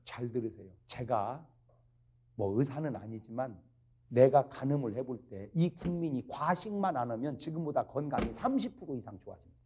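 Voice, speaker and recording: A man preaching a lively revival sermon, asking the congregation questions and climbing to emphatic peaks. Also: mid-range voice, moderate pace, background noise. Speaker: pastor. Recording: archival broadcast of a revival meeting.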